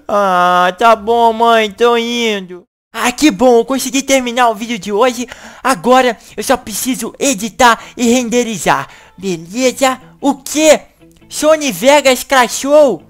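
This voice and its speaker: Excitable high-voiced woman in a game comedy. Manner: excitable, whiny, fast bursts. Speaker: gaming channel host. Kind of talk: comedic video-game animation acting.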